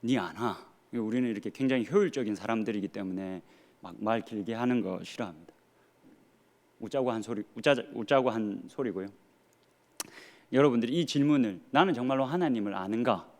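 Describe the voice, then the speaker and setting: A man's voice: mid-range voice, brisk. A man in his thirties, a pastor with a Gyeongsang Korean accent, preaching a sermon earnestly with rhetorical questions and dry humor. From Gyeongsang region of Korea.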